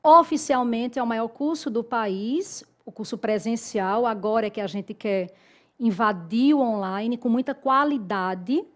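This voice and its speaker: A woman's voice: fairly high pitch, a little slow. A woman with a Northeastern Brazilian accent teaching an online grammar lesson, talking emphatically and addressing her students directly. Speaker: Portuguese teacher.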